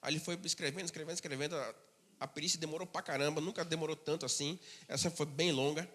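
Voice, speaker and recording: Male pastor, sermon, high and bright tone, conversational storyteller, reverberant hall. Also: steady tone, fast. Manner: conversational storytelling, drops to a low murmur for asides.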